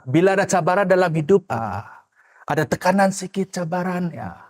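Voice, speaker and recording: A man preaching, his voice sitting fairly high for a man. He delivers the sermon in animated bursts, dropping to low asides and acting out the people he talks about. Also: moderate pace. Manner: animated, swings between loud exclamations and low asides, acts out quoted people. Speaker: pastor.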